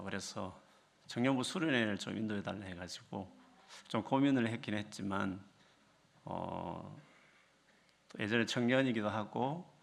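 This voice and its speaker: Man, 50s, visiting missionary; gravelly voice, warm chatty greeting. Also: on the low side. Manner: chatty, self-deprecating. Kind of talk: sermon greeting.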